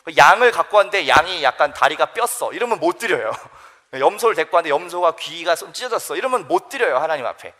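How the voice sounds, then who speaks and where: Lively young man preaching to teens. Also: fairly high pitch, fast talker. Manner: lively storytelling, asks the listeners questions. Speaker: youth pastor. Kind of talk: sermon to teenagers.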